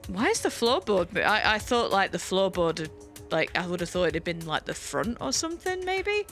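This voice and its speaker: A woman's voice: medium pitch, very animated, normal speed, a bit bright. A woman reading game text aloud and bantering casually in a teasing way. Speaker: reader and co-host of a game playthrough. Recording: music behind the voice.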